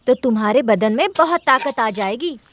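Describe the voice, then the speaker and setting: A woman's voice: on the high side, lively intonation, moderate pace, fairly bright tone. An actress dubbing a playful young woman who coaxes a man out of bed in a film. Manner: playful, coaxing.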